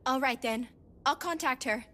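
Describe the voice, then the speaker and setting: A woman's voice: high voice, normal speed, fairly bright tone, a little hiss or hum. An actress voicing an earnest, polite young female production coordinator in an anime dub. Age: young adult. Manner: polite, easily startled. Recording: music playing under the voice.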